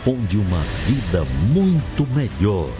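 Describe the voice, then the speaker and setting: A man announcing in a slow, deliberate promotional voice-over, muffled, with music behind. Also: fairly low pitch, sing-song.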